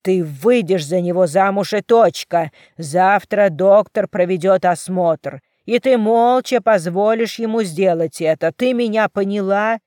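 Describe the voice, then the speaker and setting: A woman's voice: mid-range voice, unhurried, hardly any pauses, darkish tone, no echo, close to an everyday voice. A woman reading the part of a stern, angry middle-aged father who gives harsh commands, in a dry recording. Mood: stern, furious.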